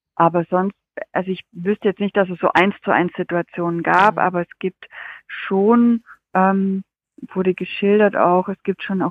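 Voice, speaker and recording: A woman's fairly low voice, flat and monotone, at a fairly slow pace. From Germany, Stuttgart (Swabia). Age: 40s. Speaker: social worker in juvenile justice. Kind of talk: casual interview chat.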